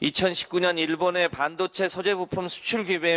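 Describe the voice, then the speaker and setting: A man is speaking. The background is quiet. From South Korea. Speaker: party policy chief; politician at party meeting. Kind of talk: formal political speech. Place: meeting room. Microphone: podium.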